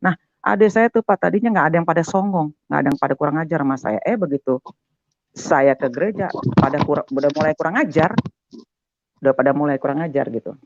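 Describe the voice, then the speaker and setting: An older man telling his conversion testimony as a guest, animated and talking straight to his listener. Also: a little high, quick pace, dry recording. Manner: animated, keeps addressing the listener as "Pak". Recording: dull, muffled, dry sound.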